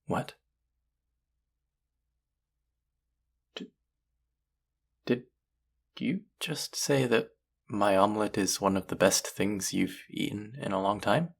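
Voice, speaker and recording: A young male chef played by a man in an intimate audio drama, combative and exasperated yet earnest underneath. His voice is deep and heavy with gravelly fry. He speaks slowly, with halting, emotive pauses. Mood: stunned. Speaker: voice actor in audio roleplay.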